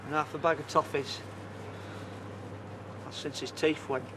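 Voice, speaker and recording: Earnest, high-voiced son, as an actor plays him. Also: male voice, flat delivery, a little slow, background noise, lightly acted. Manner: earnest, pleading. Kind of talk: TV soap drama acting.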